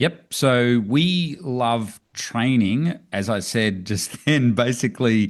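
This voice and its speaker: Over a quiet background, a man of medium pitch speaks at a very slow pace with hardly any pauses and ordinary pitch variation. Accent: Australian. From Australia. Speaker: online business founder and educator. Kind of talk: interview. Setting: remote call.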